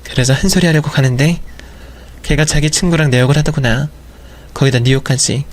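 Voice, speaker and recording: A man voicing an apologetic older mother confessing to her son in a slow, regretful manner. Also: fairly high pitch, natural voice. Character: apologetic older mother-in-law, soft-spoken. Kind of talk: audio drama storytelling.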